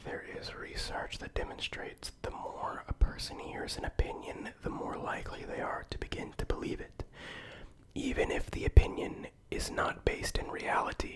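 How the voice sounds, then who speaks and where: A whisper at a moderate pace amid noticeable background noise. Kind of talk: whispered ASMR list reading, casual and humorous. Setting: cramped guest bathroom recording with mic bumps. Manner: whispered, soft-spoken.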